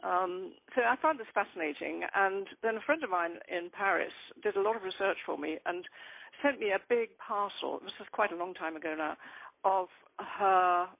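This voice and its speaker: An older woman author talking about her novel in an interview, thoughtful and rambling with many pauses and ums. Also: medium pitch, vocal fry, no room sound. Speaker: author guest. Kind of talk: conversational interview. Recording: tinny phone-like line.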